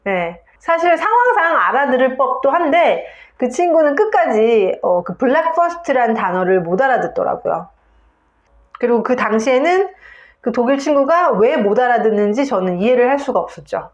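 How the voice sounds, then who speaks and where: A woman's voice: fairly high pitch, very animated, moderate pace, reverberant, muffled recording. A woman English teacher giving a video lesson on pronunciation, explaining step by step and saying example words aloud.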